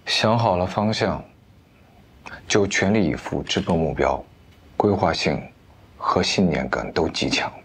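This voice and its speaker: An actor in his thirties playing a composed, confident investor, speaking in a measured, assured way in a TV drama. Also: low-pitched, animated, creaky, slight background noise, full character voice. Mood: calm, assured. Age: 30s. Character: composed, confident wealthy investor, rational and devoted. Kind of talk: naturalistic TV drama dialogue.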